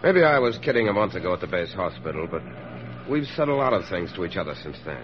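An actor playing a teasing young infantry lieutenant in a 1940s radio drama, talking affectionately, on a muffled old broadcast recording. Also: male voice, low-pitched, very animated, quick pace, crowd noise.

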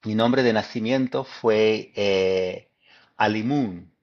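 American man, native English speaker, as interview guest; lowish voice, hesitant and reflective in Spanish, muffled remote audio. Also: darkish tone. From Detroit, United States. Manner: thoughtful, halting, many fillers and restarts. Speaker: guest historian. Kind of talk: interview conversation.

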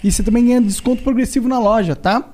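A man in his thirties hosting a podcast, speaking in a relaxed, slangy way and chuckling now and then. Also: extremely high pitch, very fast. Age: 30s. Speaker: podcast host. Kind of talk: casual podcast chat and sponsor read.

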